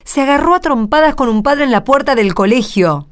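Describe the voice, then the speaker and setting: A woman acts a stern middle-aged school director in a radio play. Her rather high Argentine voice moves widely in pitch. She is curt, unyielding and confrontational. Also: lively intonation, fairly quick. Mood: indignant, dismissive. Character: stern, unyielding female school director, thirty years teaching. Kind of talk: radio drama acting.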